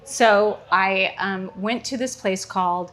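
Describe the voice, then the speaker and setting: A woman's voice: mid-range voice, slow pace, a bit bright. Joking Chicago woman comedian. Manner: joking, playful banter. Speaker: comedian host. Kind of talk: casual chat.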